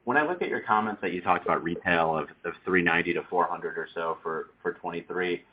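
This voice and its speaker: A man's voice: deep voice, fast talker, slightly rough. A man speaking as a financial analyst, putting a question on an earnings call over the telephone. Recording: narrow tinny phone line.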